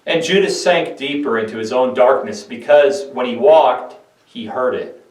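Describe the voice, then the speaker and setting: A man's voice: medium pitch, normal speed. A man giving a scripted, dramatic narration of a Bible story with emphatic, theatrical delivery. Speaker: pastor, narrator. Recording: echoey room, distant microphone.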